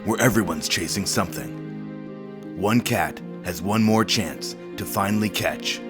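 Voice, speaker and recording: A man playing a portentous trailer announcer in a mock promo, solemn, dramatic and deliberate. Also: low-pitched, over loud music.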